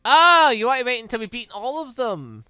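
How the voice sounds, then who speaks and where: A man giving casual, animated let's play commentary with exclamatory reactions as he reads a visual novel aloud. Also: very high voice, a little fast, clean tone, no room sound, clean studio sound.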